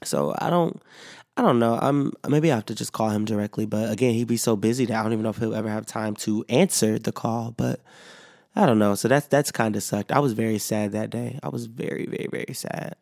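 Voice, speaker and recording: A man's voice: lowish voice, fairly quick, gravelly, a little mellow, dry recording, clean studio sound. A man hosting his own podcast in a loose, rambling chat full of fillers and swearing, his voice not fully back after being sick. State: voice not fully recovered from illness. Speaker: podcast host. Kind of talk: casual solo podcast chat.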